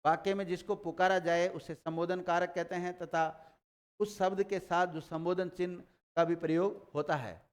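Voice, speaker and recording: Clear high-voiced grammar teacher. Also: male voice, steady tone, moderate pace. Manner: explains and quizzes students with repeated questions. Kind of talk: grammar lesson.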